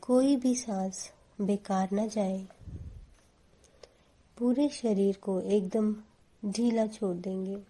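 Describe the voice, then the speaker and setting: A woman giving guided meditation instructions in a calm, soothing, deliberate manner. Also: mid-range voice.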